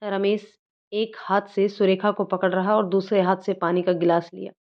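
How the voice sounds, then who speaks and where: A woman hosting a story channel, reading the narration in a steady storybook manner. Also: mid-range voice, normal speed. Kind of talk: scripted narration. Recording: dull lo-fi recording.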